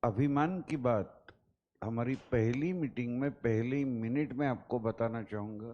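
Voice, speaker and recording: A man's unremarkable speaking voice at medium pitch, with ordinary pitch variation. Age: 50s. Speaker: teacher. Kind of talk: lecture. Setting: classroom.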